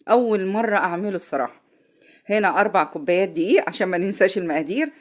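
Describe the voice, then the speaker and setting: An Egyptian woman with a cold talks viewers through a recipe in her home kitchen. Her delivery is casual and chatty, aimed straight at the viewer, and she often stops to correct herself. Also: medium pitch. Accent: Egyptian Arabic. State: has a cold. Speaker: home cook. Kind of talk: casual cooking tutorial.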